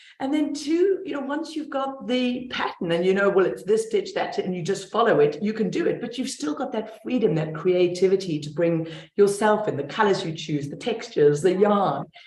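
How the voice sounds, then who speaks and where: With hardly any pauses, the voice makes very wide pitch swings over noticeable background noise. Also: woman, medium pitch for a woman, moderate pace. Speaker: financial educator. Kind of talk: interview.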